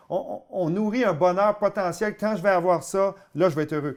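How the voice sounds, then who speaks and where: On a very clean recording with a silent background, a man speaks high for a man in a Quebec accent, at a moderate pace with ordinary pitch variation. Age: 40s. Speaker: motivational speaker. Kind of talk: interview. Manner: animated.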